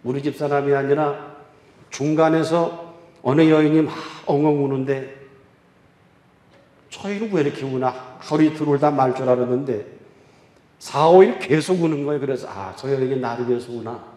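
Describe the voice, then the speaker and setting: Korean pastor preaching in a reverberant church. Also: male voice, mid-range voice, normal speed, long pauses. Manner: emotional, shifts from loud exclaiming to quiet confiding. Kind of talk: revival sermon with storytelling. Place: church sanctuary. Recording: echoey church hall.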